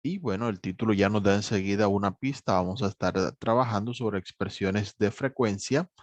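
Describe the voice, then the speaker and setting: A male English teacher, giving a measured online course lecture full of reminders and fillers. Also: lowish voice, no echo. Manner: measured, repeats reminders, many fillers like "obviamente".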